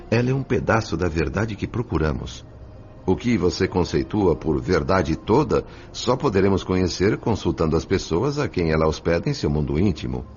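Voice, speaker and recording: Um ator interpretando um mentor espiritual sábio e sereno em radionovela, que aconselha de modo ponderado e didático. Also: male voice, low voice, a little mellow. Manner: measured, admonishing, didactic. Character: serene, wise male spirit mentor counselling a friend. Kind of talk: radio drama acting with narration. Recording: dull lo-fi audio with music behind.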